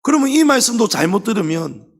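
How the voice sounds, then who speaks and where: A middle-aged male pastor preaching a sermon with emphasis, rising to loud climaxes and dropping quiet, and acting out the Bible characters he quotes. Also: sits high, big pitch swings, a little fast, husky. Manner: acts out quoted Bible characters in his own voice.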